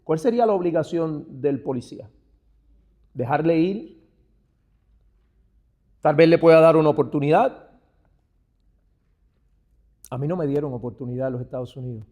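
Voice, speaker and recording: A man from Puerto Rico with a Puerto Rican Spanish accent, a pastor teaching other pastors. He calls his listeners brother, asks them rhetorical questions, and moves from hushed asides to emphatic, stressed phrases. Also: fairly high pitch, moderate pace, long pauses. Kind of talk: church teaching talk.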